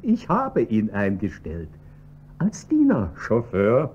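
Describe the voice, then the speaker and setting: A man's voice: on the low side, wildly swooping pitch, slow, a little mellow, heavily acted. An actor playing a self-satisfied wealthy pharmacist and businessman, jovial and chuckling, in a radio drama. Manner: jovial, chuckling, pleased with himself. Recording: dull lo-fi recording, faint hiss.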